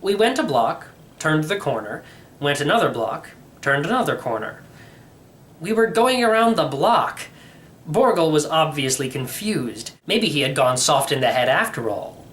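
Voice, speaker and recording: A man reading a children's novel aloud as expressive first-person narration. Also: on the high side, normal speed, slight background noise. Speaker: audiobook reader.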